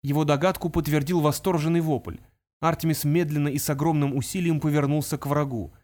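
Guy reading an audiobook, kinda higher voice, dramatic steady storytelling. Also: brisk. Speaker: narrator. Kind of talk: audiobook narration.

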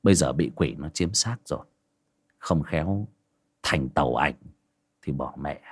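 A man voicing a calm, grim young exorcist in a folk ghost story. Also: slow, no room sound, studio quality, exaggerated voice. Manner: flat, low, muttered.

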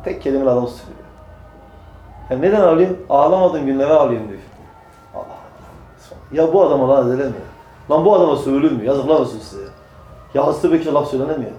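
A man's voice: medium pitch, rapid-fire, pauses often, mellow, echoey room, muffled recording. A man preaching to a small group, emphatic, repeating phrases and answering his own rhetorical questions. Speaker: religious preacher. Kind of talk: religious talk to a small group.

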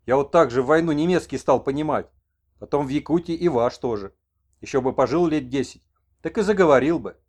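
A man's voice: on the high side, a little fast, darkish tone, natural voice. A man voicing a talkative old village grandfather with a folksy, colloquial manner.

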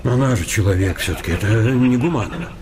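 A man's voice: on the low side, fairly quick, noisy background, close to an everyday voice. An actor playing a timid, educated male hypnotist in a radio comedy, polite, bookish and hesitant. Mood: nervous, evasive. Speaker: actor in a comedy audio play.

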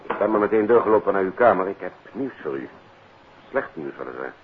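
Very deep, sober police official. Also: male voice, lively intonation, fairly quick, phone-quality sound. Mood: formal. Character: sober, formal police official bearing bad news. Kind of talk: 1950s Dutch radio drama acting. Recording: band-limited, noisy 1950s radio recording.

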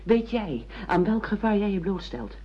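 An actress in a radio play playing a zealous, exasperated daughter who lectures insistently like a strict tutor. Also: female voice, mid-range voice, big pitch swings, normal speed, breathy edge. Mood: indignant, warning. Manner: insistent, didactic. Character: exasperated zealous daughter drilling her father in communist doctrine. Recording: dull lo-fi radio play recording.

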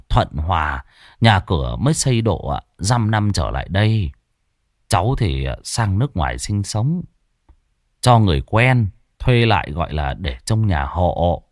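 A man's voice: low-pitched, no room sound, clean studio sound. A man voicing a nervous, humble middle-aged homeowner who stammers and speaks deferentially.

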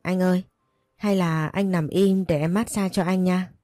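A frightened young wife pleads timidly, voiced by a woman reading a story. The voice is low and mellow. The recording is dry and close. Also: steady tone, a little slow, dry recording, close to an everyday voice. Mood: coaxing.

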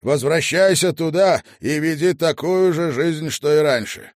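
A man voicing a stern, commanding nobleman who gives loud, clipped orders in an audiobook. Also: fairly high pitch, unhurried, dry recording, studio quality, pitched above the performer's own voice, lightly acted.

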